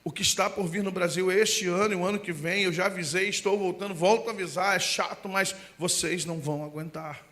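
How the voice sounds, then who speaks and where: A man preaching a sermon, telling funny stories with shouted asides and impressions. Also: sits high, fairly quick, hardly any pauses. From Brazil. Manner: animated, humorous storytelling with shouted asides and impressions. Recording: music playing behind the voice.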